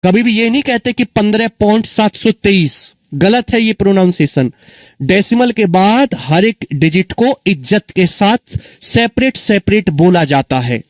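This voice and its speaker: A man teaches an exam-prep maths lesson in a high voice. He repeats each answer and keeps asking his students questions. The sound is dry and close, with no room around it. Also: animated, measured pace, no echo. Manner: calls students children and friends.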